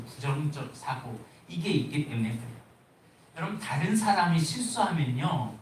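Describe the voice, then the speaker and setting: Pastor, male, mid pitch, earnest sermon delivery, distant mic in a reverberant church hall. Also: slight background noise. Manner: earnest preaching with acted-out anecdotes. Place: church sanctuary.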